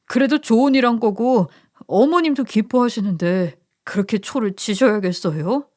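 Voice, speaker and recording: A woman's voice: on the high side, moderate pace, darkish tone, lightly acted. A woman voicing a young husband who argues back, pleading and indignant, in a radio story. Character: defensive young husband, son-in-law.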